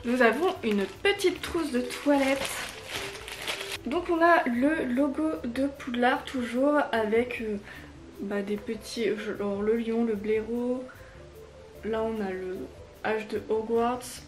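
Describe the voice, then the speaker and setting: A woman's voice: on the high side, slow, faint music behind. A woman from chats casually and gushes with enthusiasm while unboxing. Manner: gushing, enthusiastic. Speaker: unboxing vlogger.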